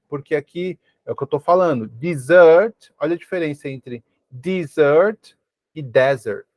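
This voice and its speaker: Man from Brazil, English teacher, video lesson, slightly high voice, slow repeated words, dry close sound. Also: no echo. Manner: repeats words slowly for practice, frequent "ok?".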